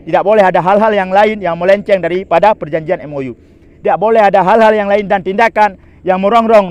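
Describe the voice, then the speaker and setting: A man's voice: sits high, no room sound. A middle-aged man from Aceh with an Acehnese accent, whose first language is Acehnese, giving an impassioned political address to camera with emphatic, repetitive phrasing. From Aceh, Indonesia. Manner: emphatic, repetitive, speech-like cadence. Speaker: former rebel combatant giving a public message.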